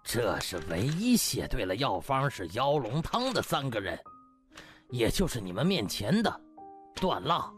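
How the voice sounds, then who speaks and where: A man voicing a stern, authoritative old doctor with a haughty, reproachful manner in an audiobook. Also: medium pitch. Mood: stern announcing. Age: older. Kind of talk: audiobook character acting. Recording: music behind the voice.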